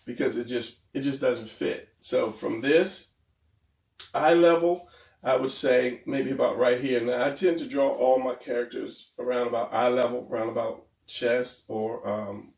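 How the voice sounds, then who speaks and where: Gravelly, stuffy-voiced man teaching drawing. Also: medium pitch, steady tone, measured pace, darkish tone, roomy sound, distant mic. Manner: hesitant, rambling, self-deprecating. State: losing his voice, a little stuffy. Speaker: drawing instructor. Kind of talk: casual drawing tutorial.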